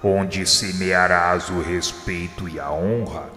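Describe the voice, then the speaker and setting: A man voicing Jesus as a grave divine figure in a radio drama, speaking with a Brazilian Portuguese accent in measured, solemn pronouncements. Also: low-pitched, steady tone, heavily acted. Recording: heavy reverb with soft music behind.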